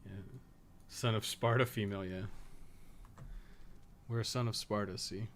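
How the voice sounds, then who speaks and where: A man's voice: on the low side, fairly even intonation, unhurried, a little hiss or hum. A man chatting informally and rambling through a live gaming stream, with a fair bit of swearing. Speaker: podcast co-host, game streamer.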